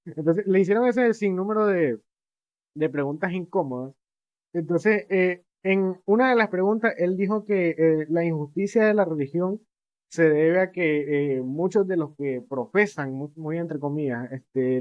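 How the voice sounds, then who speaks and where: Young male co-host, higher voice, hesitant storyteller with dry asides; dry close mic. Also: normal speed, no room sound, dull audio. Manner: rambling, hesitant, many fillers and restarts, wry asides. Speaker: podcast co-host. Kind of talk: casual podcast discussion.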